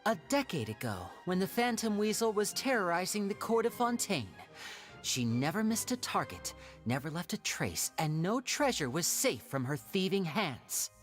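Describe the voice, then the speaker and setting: A woman playing a shrewd young magician in a video game, telling stories in a theatrical, measured, wry way. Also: fairly low pitch, very animated, faint music behind. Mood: dramatic storytelling. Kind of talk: video game voice acting, dramatic storytelling.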